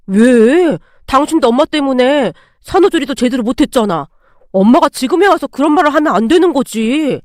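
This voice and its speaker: A woman's voice: sits high, expressive, moderate pace, no echo, clean studio sound. A woman voicing a sarcastic adult son who needles his mother with taunting remarks. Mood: sneering.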